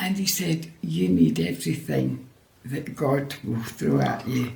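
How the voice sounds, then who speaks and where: A woman with a very deep, low pitch speaks at a fairly slow pace, her voice making very wide pitch swings. Audible room echo and noticeable background noise are present. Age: 80s+. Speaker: church member giving testimony. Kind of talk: testimony. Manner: halting.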